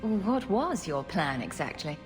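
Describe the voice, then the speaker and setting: A woman's voice: lowish voice, sing-song, a little slow, soft background music. A woman playing a sardonic, betrayed heroine in a fantasy video game, sarcastic and challenging. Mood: bitter, sarcastic.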